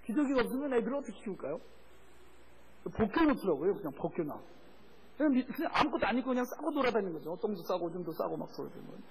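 A man preaching as a missionary, telling a story with lively acted-out quotes and frequent laughter. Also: high-pitched, racing, background noise. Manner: animated, acts out voices in quotes, laughs often. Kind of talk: sermon with storytelling.

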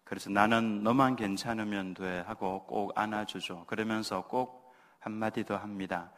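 Korean pastor preaching in a reverberant church. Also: male voice, fairly low pitch, fairly even intonation, normal speed. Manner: leads congregation in call-and-response reading; acts out gentle parental words softly. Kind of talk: sermon. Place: church sanctuary.

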